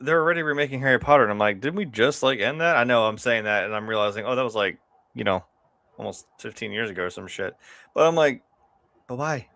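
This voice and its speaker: A man's voice: mid-range voice, quick pace, gravelly, sharp tone. A man chatting casually about films as a co-host, in a conversational way with trailing asides. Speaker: film review show co-host.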